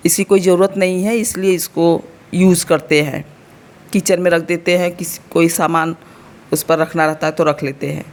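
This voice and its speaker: A woman's voice: on the low side, fairly even intonation, moderate pace. A woman in her thirties from India with an Uttar Pradesh Hindi accent and a slightly sore throat, chatting to her viewers in a casual home vlog. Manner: chatty, addresses viewers directly, explains as she goes. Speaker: vlogger.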